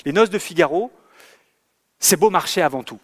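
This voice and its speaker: A fairly high-voiced man gives a talk about staging, telling stories from rehearsals with lively acted-out moments. He often hesitates and repeats words as he searches for the next phrase. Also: moderate pace. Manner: lively storyteller who acts out scenes. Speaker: theatre director. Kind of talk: lecture with anecdotes.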